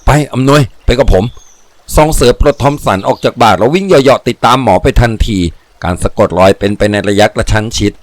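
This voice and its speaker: A man narrating a crime adventure novel in a steady, vivid storytelling voice. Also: mid-range voice, fast, hardly any pauses, no echo. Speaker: audiobook narrator. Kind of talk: dramatic audiobook reading.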